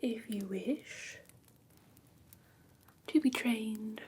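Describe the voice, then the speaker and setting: A gentle female vampire instructor, played by a woman, whispers a pet care lesson in an ASMR roleplay. Her breathy whisper is very slow and patient, pitched a little high. It sits close to the mic over faint noise and soft clicks. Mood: gentle, instructive. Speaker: host of a roleplay class, as instructor.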